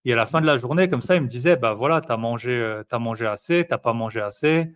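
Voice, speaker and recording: A man speaks in an easygoing, conversational way, pausing often on fillers as he thinks out loud. His delivery is loose and unhurried, like talking with a friend. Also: medium pitch, clear, resonant tone. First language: French. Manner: rambling, filler-heavy, relaxed. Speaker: interviewee, investor. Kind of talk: casual conversational chat.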